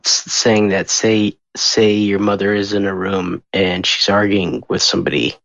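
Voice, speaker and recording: A man interviewing a guest in a casual way, halting and tripping over his words. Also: fairly low pitch, steady tone, creaky, a bit bright, no echo, highs cut off.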